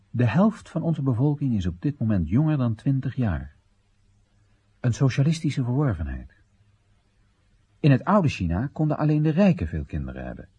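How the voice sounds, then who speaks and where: A man's voice: mid-range voice, mellow, slightly rough. An actor playing an exasperated, ironic Chinese citizen addressing his comrades in emphatic short phrases, in a theatrical radio play monologue.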